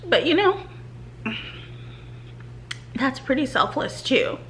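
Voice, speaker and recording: A woman in her thirties talks straight to the camera from her couch at home, casual and candid in a vlog. Her voice sits a little high, with a faint hum behind her. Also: very animated, takes it slowly. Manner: chatty and candid, with soft nervous laughs. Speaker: vlogger. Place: living room at home, seated on a couch. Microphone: camera in front, close framing.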